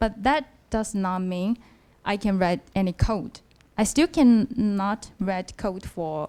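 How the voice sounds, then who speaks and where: A woman with a Chinese accent speaks at a fairly slow pace. Her medium pitch shows ordinary variation. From China. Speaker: conference speaker. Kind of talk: conference talk. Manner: hesitant, with fillers.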